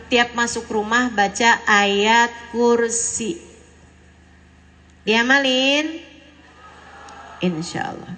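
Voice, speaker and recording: A woman's voice: a little high, pushed and bright, slight background noise, rough recording. A woman preacher giving a sermon to mothers, earnest and mixing in casual everyday slang. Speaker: female preacher addressing mothers.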